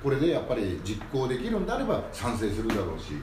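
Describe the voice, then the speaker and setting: A man's voice: medium pitch, huge pitch swings, racing. A man explaining in a conciliatory way as he mediates an informal meeting. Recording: distant mic, echoey noisy room.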